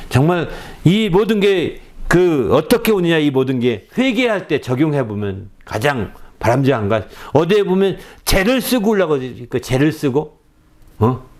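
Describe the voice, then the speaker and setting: With a slightly high, darkish voice, this middle-aged pastor preaches in a conversational style. He keeps touching base with his congregation using a brief "eh?".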